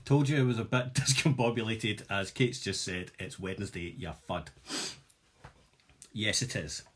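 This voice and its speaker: A man's voice: lowish voice, lively intonation, moderate pace, noisy background. A young Glaswegian man hosting a live-streamed jewellery workshop, demonstrating and joking with viewers in a chatty, self-mocking way. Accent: Glaswegian Scottish.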